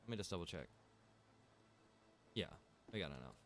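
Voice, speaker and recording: Man, lowish voice, casual game streamer, muttering to himself, noisy background. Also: expressive, normal speed. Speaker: streamer playing a survival roleplay game. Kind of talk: casual gameplay commentary.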